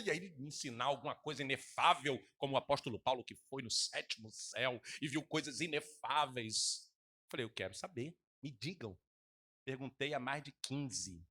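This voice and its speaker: A man preaching as pastor with a Brazilian Portuguese accent, animated and mocking in his asides. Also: mid-range voice, husky. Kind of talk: sermon with congregation exchange.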